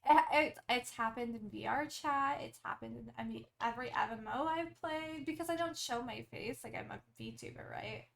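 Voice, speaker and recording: A woman chatting casually as a podcast co-host, brash and animated, swearing freely. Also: fairly high pitch, moderate pace, vocal fry, hardly any pauses. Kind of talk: casual chat. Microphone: headset.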